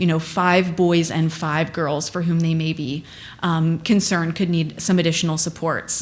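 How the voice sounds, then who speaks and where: A woman with an American accent talks at a moderate pace. There is noticeable background noise and audible room echo. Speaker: psychologist presenter. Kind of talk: conference talk.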